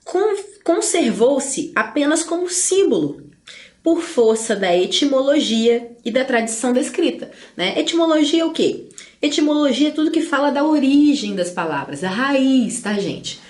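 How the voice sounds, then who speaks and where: With a high, expressive, slightly mellow voice at normal speed, the woman continues her chatty exam-prep class, full of jokes on the side and many tag questions. Her accent is Brazilian Portuguese from Espírito Santo, and the recording is reverberant.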